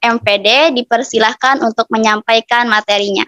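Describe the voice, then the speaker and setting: Woman, moderator, formal introduction, slightly high voice, dry close sound. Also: fairly even intonation, brisk, pushed and bright, dry recording. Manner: formal announcing.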